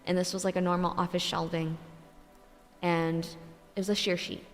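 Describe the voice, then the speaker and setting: A young woman streamer telling a true ghost story in casual, animated speech, swearing often and filling with "like". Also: lowish voice, moderate pace. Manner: animated, swears a lot, many filler likes. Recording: long reverb, faint music behind.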